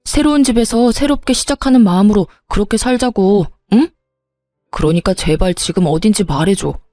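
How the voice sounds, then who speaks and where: A woman voicing a young husband who begs, then shouts and threatens, in a narrated story. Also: mid-range voice, moderate pace, dry recording, clean studio sound, soft background music, lightly acted. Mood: begging. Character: pleading, hot-tempered young husband. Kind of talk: storybook narration with acted dialogue.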